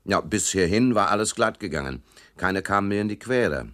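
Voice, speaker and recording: An actor playing a wisecracking hard-boiled investigator, wry, slangy and offhand, in a radio crime drama. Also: male voice, on the low side, lively intonation, moderate pace, a bit bright. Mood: wry narrating.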